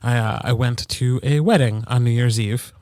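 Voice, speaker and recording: A man with a slightly stuffy, cold-clogged voice chats casually as a podcast co-host. His pitch sits in an ordinary male middle range, and the recording is close and dry, with very little room sound. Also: normal speed, a little mellow, clear, resonant tone, no room sound.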